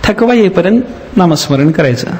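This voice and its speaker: With long hall reverb around his high voice, a man speaking as a spiritual teacher narrates a devotional story, animating characters with acted voices and slowly chanting verses.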